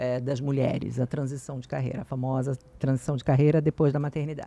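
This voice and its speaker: A woman speaks at a fairly quick pace in a strong Carioca accent. Her pitch is very deep and low, and her intonation is monotone and flat. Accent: carioca accent, still strong. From Rio de Janeiro, Brazil. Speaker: school owner and education entrepreneur. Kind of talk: podcast interview.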